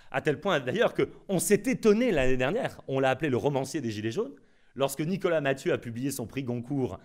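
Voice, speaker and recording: A man's voice: fairly high pitch, a little mellow. A man giving a conference lecture, ironic and emphatic, often repeating his key phrases. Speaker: conference speaker.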